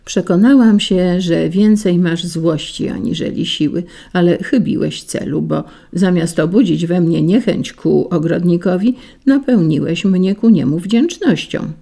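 A proud, steady lily from a storybook who answers with calm gravity, as a woman reader puts her on. The voice is dark and mellow with a gravelly grain. It stays firm and unshaken. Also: fairly low pitch, a little slow, heavily acted. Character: calm, dignified female lily flower.

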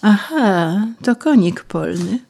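A woman's voice: medium pitch, animated, slow, creaky, dark tone, pitched above the performer's own voice, exaggerated voice. Woman doing a prim, scornful ladybird. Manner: scornful and preachy. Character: prim moralizing female ladybird, cold-hearted.

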